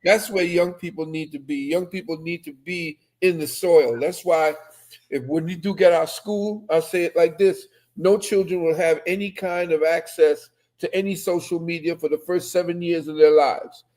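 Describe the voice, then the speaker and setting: A man's voice: a little high, steady tone, normal speed, darkish tone. An older man who grew up in Trinidad, telling stories and lecturing with conviction on a casual video call. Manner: emphatic storyteller, lectures with conviction. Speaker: co-host. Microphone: webcam on video call.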